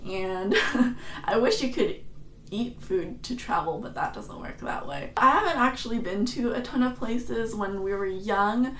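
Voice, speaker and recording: A woman's voice: medium pitch, roomy sound, slight background noise, poor audio. An American woman in her twenties from San Francisco, chatting to camera as a travel and food vlogger and joking about herself. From San Francisco, USA. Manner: chatty and self-deprecating, laughs at herself. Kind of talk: casual chat to camera.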